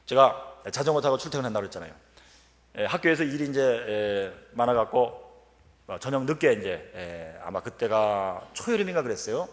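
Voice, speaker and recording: A man's voice: mid-range voice, normal speed. A man in his fifties giving a humorous revival-meeting sermon and telling stories with acted quotes. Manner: animated storytelling with acted quotes. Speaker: professor speaking at a revival meeting. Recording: reverberant church hall.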